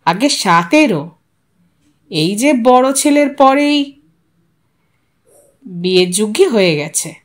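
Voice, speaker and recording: Humble village carpenter, bereaved father, played by a woman narrator: halting, deferential mumble for an audio story. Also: fairly high pitch, expressive. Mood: subdued.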